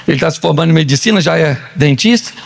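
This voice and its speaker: A man from Brazil preaching a comedic sermon on marriage, animated and acting out quarrels between spouses. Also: fairly high pitch, gravelly, husky. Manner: animated, jokes and acts out quarrels. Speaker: pastor.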